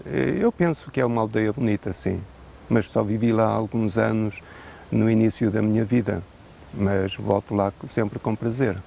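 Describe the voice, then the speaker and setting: Portuguese priest with a gravelly voice. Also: male voice, lowish voice, a little mellow, slight background noise. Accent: European Portuguese. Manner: measured, thoughtful, with hesitant fillers and a dry joke now and then. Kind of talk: unscripted interview answers.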